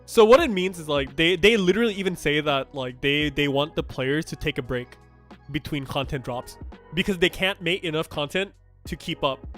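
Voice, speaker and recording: A man's voice: on the high side, animated, moderate pace, fairly bright tone, faint music behind. Young Thai man, casual gaming rant. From Thailand. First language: Thai and Japanese. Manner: chatty and blunt, with frequent fillers and restarts. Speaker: gaming streamer. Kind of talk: casual game news reaction commentary.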